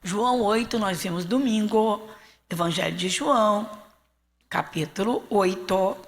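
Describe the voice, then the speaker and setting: A woman pastor from Brazil with a Rio de Janeiro accent, teaching a Bible class in an animated preaching manner and slowing down to read scripture aloud. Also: mid-range voice. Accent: Rio de Janeiro Portuguese. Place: church hall. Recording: long hall reverb.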